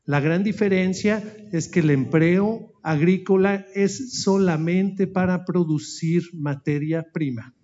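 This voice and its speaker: Slow, halting man with a Spanish accent. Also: sits high, dark tone. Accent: Spanish-speaking, mixing Spanish into Portuguese. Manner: halting, searching for words. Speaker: speaker at an anniversary event. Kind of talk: formal presentation with slides. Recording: dull lo-fi audio.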